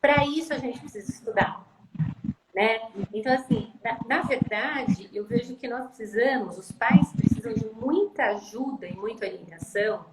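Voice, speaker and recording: A fairly high-voiced woman speaking emphatically as a guest in a live video chat, often repeating her words to drive a point home. Her voice comes through an echoey room with heavy noise behind it. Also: moderate pace. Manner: emphatic, repeats phrases for stress. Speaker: speech therapist guest. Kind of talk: live-stream conversation on parenting. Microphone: video call.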